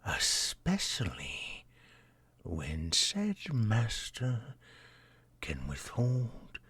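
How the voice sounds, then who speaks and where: A man voicing a cruel male vampire master who taunts his captive in slow, menacing speech that sinks into whispers. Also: fairly low pitch, huge pitch swings, a bit bright, slightly rough, dry recording, heavily acted. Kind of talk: audio drama acting.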